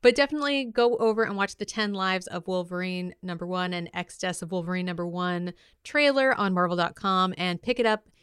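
Clean, crisp-voiced enthusiastic woman podcast host. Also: on the low side, a little fast, few pauses, a bit bright, no echo, clean studio sound. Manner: enthusiastic, playful, slangy. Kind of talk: casual upbeat entertainment chat.

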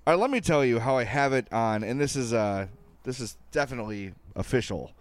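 A man's voice: medium pitch, animated, fairly quick. A man co-hosting a casual sports podcast, talking in a wry, joking manner. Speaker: podcast co-host.

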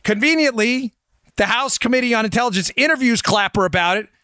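A man's voice: very high-pitched, animated, brisk, sharp tone, clear, resonant tone, no echo, clean studio sound. A man hosting a political talk show in an emphatic, insistent monologue, firing rhetorical questions at his listeners.

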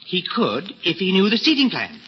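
A man's voice: high voice, wildly swooping pitch, normal speed. An actor playing a flustered middle-aged organizer, anxious and stumbling over his words, in 1940s radio drama style. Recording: dull lo-fi old radio recording with faint hiss.

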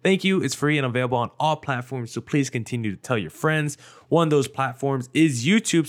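A young man hosts a solo sports podcast, a touch hoarse from yelling the night before. He speaks at a mid pitch, talking with excitement and filling his sentences with "like" and "I mean.". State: slightly hoarse from screaming. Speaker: podcast host.

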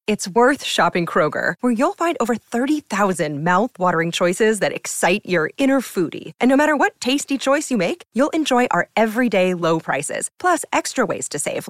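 A woman reading a scripted ad in a friendly sales-pitch manner. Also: dry recording, clean studio sound. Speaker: ad announcer. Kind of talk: scripted radio ad.

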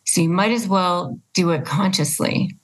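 A woman's voice: lowish voice, a little slow, low-quality recording. A woman hosting a casual conversational interview, speaking emphatically and repeating her points for stress. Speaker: podcast host and interviewer.

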